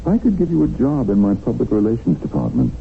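An actor playing a middle-aged kidnapped tycoon in a radio drama, worldly and defiant, with a sardonic, reflective manner. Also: male voice, fairly low pitch, wildly swooping pitch, fast talker, creaky, exaggerated voice. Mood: wry, goading. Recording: narrow-band, noisy old radio broadcast.

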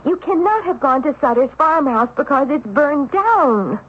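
An actress playing a skeptical, protective wife in a 1970s radio drama, with an expressive, incredulous delivery. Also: female voice, high-pitched, unhurried. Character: skeptical, protective, exasperated wife of a former banker. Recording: dull, hissy 1970s radio broadcast.

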